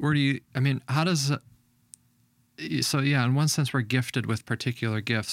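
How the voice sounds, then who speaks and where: With an ordinary speaking voice, a man talks at a fairly quick pace in fairly even intonation, the sound dry and close with no echo. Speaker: pastor. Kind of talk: casual faith discussion.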